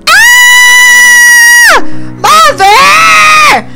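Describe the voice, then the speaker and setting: A man's voice: very high-pitched, steady tone, shouting, a loud crowd, exaggerated voice, poor audio. A man playing a flamboyant gay young best friend in a radio drama, with a campy, theatrical way of talking. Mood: hysterical panic. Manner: campy, dramatic, drawn-out shrieks and English interjections. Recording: music bed behind the voice.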